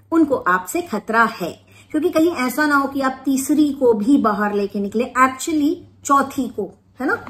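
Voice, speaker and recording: A woman with a somewhat high voice hosts an opinion vlog. Her commentary is indignant and full of sarcastic jabs, and she slips English phrases into her talk. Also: fairly bright tone. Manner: mixes English phrases into speech. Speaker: reaction video host.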